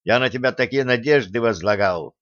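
A man voicing a hot-tempered older male fencing coach who scolds loudly in an audiobook reading. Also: mid-range voice, a little fast, dry recording, muffled recording, natural voice. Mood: exasperated. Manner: scolding, loud, exasperated.

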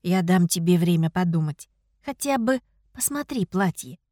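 A woman voicing a gentle, patient middle-aged mother in an audiobook, speaking softly and affectionately. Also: fairly low pitch, lively intonation, moderate pace, no echo, clean studio sound, voice pushed down, close to an everyday voice. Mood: tender. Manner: soft, affectionate, sighing. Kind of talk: audiobook character voice.

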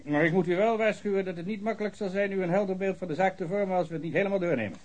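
An actor playing a long-winded, pedantic police officer in a radio drama. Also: male voice, high-pitched, rapid-fire. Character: fussy male police officer reading a report.

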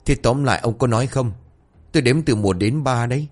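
A man voicing a suspicious old village woman who scolds and threatens loudly. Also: medium pitch, fairly quick, close to an everyday voice. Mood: scolding.

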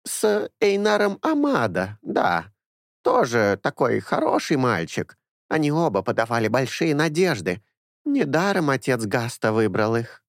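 A man's voice: medium pitch, big pitch swings, measured pace, no room sound, clean studio sound. A man voicing a talkative old woman in her sixties, a former caretaker who rambles fondly and confidingly. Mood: sorrowful.

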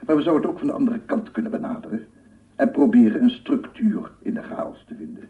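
A man's voice: medium pitch, lively intonation, brisk, far from the mic, natural voice. An actor playing an obsessive scientist in a radio drama, lecturing formally and rhetorically with fervent wonder, repeating his phrases. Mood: pondering, formal. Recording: muffled phone-like radio play recording, off-mic.

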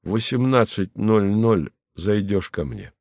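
A man voicing a stern male commander who speaks quietly and coldly in an even voice. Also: fairly low pitch, measured pace, dry recording, clean studio sound. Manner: quiet, flat, cold.

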